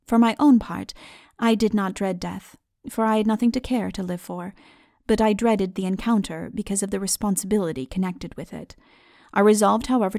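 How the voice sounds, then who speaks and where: A woman reading a literary fantasy audiobook as narrator, in measured, formal storytelling. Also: medium pitch, darkish tone, no room sound, clean studio sound. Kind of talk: scripted dramatic narration of a literary fantasy tale.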